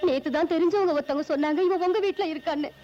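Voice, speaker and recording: A heartbroken mother, crying as she talks, played by a woman, with a very high voice. The dull, lo-fi film sound carries music underneath. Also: rapid-fire, mellow, natural voice. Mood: sorrowful. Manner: pleading, sorrowful. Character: poor tearful mother sending her young son away.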